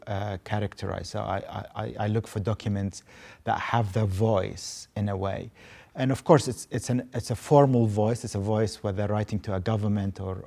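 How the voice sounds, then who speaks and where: A man's voice: fairly low pitch, creaky, a little mellow. A man, a playwright, talking reflectively in interview style.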